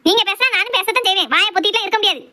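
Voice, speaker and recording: Casting: woman as feisty Tirunelveli village mother for cartoon drama, piercingly high, rattling off complaints. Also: bright, forceful tone, exaggerated voice. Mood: indignant, combative. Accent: Tirunelveli Tamil. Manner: scolding, argumentative, rapid complaints. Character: sharp-tongued, outspoken village wife and mother. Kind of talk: amateur cartoon family drama.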